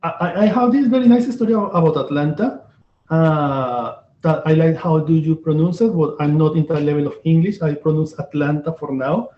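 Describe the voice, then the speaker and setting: A man from Venezuela with a Venezuelan Spanish accent, hosting a casual interview and often halting to search for words. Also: fairly high pitch. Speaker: host. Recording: echoey, dull lo-fi room sound.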